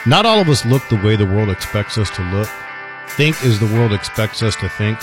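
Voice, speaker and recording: A middle-aged man hosting a podcast, chatting casually and gently ribbing his guest. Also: lowish voice, lively intonation, fairly quick, music in the background. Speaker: podcast host. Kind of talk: casual interview chat.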